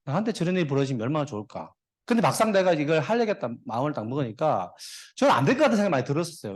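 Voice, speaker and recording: Middle-aged male guest speaker, joking storyteller, rapid and lively. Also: fairly high pitch. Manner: jokey storyteller, dad jokes, talks to the audience. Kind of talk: motivational speech.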